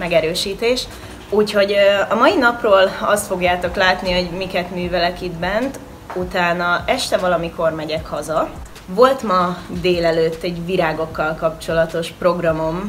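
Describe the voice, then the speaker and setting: Over light background noise, a woman speaks fairly slowly at a fairly low pitch with ordinary pitch variation. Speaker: vlogger. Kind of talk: casual vlog chat. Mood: cheerful, laughs. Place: office. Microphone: phone near.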